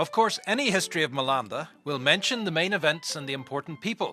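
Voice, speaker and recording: Over music in the background, a man with a fairly high pitch speaks at a moderate pace, his pitch swinging very widely. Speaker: documentary narrator. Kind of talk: historical documentary narration.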